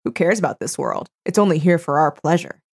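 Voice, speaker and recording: A woman with a lowish voice co-hosts a chatty podcast. She reads passages from a book aloud and gives them playful emphasis. She talks into a studio mic. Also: fairly quick, a little mellow, husky. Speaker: podcast co-host. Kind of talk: casual chat reading from a book. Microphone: studio microphone.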